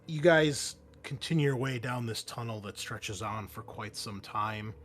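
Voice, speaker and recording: A man narrating a tabletop roleplaying game as game master, in a halting, descriptive, conversational way. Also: mid-range voice, fairly bright tone, a little hiss or hum.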